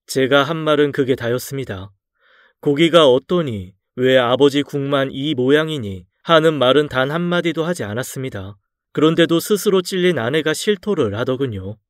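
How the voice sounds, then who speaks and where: A man narrating a dramatized true story in a calm, confessional first-person way. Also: mid-range voice, moderate pace, dry recording, clean studio sound.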